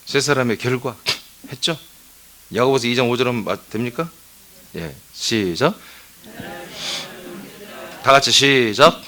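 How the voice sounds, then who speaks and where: Lively, storytelling male pastor. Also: mid-range voice, moderate pace, pauses often. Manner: chatty storytelling, scolding with humor; asks the congregation for answers. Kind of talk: dawn service sermon. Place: church sanctuary.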